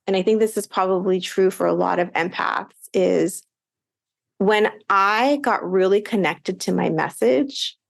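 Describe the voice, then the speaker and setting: A woman podcast coach, a guest in a casual interview, talking earnestly and reflectively, with quick bursts of speech. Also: mid-range voice.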